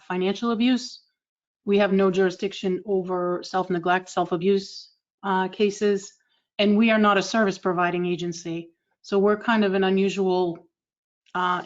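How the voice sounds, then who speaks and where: Massachusetts woman, flat steady delivery. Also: mid-range voice, lo-fi sound. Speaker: state agency representative. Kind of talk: virtual meeting update.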